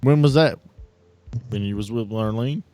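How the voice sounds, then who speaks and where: A man's voice: lowish voice, moderate pace, dark tone, no room sound, lightly acted. A man playing a folksy, crude and wary backwoods arms dealer with an American Southern drawl in a tabletop game. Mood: suspicious. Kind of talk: improvised tabletop role-play.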